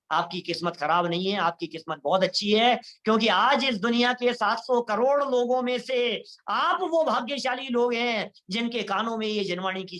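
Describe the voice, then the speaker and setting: A man's voice: very high-pitched, bright, forceful tone. A man giving a devotional Jain sermon, addressing listeners as "bhai sahab" and acting out quoted voices. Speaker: Jain lecturer. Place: online lecture series.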